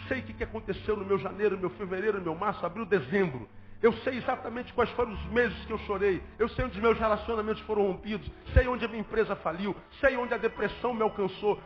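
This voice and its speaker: A man's voice: sits high, quick pace. A Brazilian man preaching a sermon as pastor, emphatic and repetitive, firing rhetorical questions at the congregation. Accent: Brazilian Portuguese. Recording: dull lo-fi audio with faint music.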